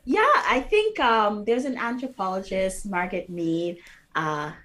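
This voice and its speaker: An earnest woman author talks through her children's books in a relaxed interview. Her voice sits at a middle pitch, and she speaks thoughtfully, often pausing with fillers and restarting her sentences. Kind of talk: casual interview talk.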